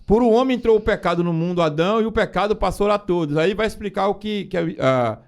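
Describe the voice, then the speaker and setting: A man's voice: high-pitched, fast talker. A man on a podcast speaking emphatically about faith, often addressing listeners directly. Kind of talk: casual preaching talk.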